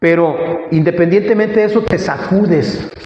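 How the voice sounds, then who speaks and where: Audible room echo surrounds this man's voice. He has a high pitch and a fairly slow pace. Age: 60s. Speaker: preacher. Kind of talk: sermon.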